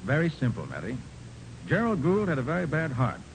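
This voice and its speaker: An actor playing a confident, dry-witted American private detective in 1940s radio style, brisk and assured. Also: male voice, a little high, huge pitch swings. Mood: assured, matter-of-fact. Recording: noisy old 1940s radio recording.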